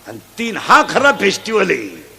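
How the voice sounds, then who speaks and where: A man preaching a humorous devotional sermon, loudly quizzing the children in the crowd and mocking bad habits. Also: high voice, wildly swooping pitch, unhurried, gravelly, a little hiss or hum. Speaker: kirtan preacher.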